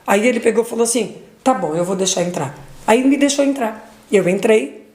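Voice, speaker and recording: A woman's voice: fairly high pitch, a little fast, darkish tone, roomy sound, a little hiss or hum. A middle-aged woman giving an emotional personal testimony, retelling what everyone said in long runs of dialogue, with restarts and fillers. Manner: retells dialogue with repeated 'aí eu peguei e falei', restarts and fillers.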